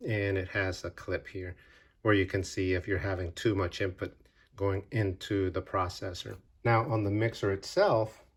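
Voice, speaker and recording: Low-pitched man giving a casual gear tutorial. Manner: plain-spoken, step-by-step explaining. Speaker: tutorial presenter. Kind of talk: casual hands-on gear demonstration.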